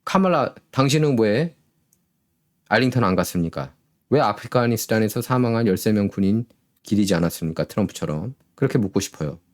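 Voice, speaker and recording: A man's voice: on the low side, lively intonation, a little fast. A man hosting a solo political commentary show, sarcastic and full of rhetorical questions.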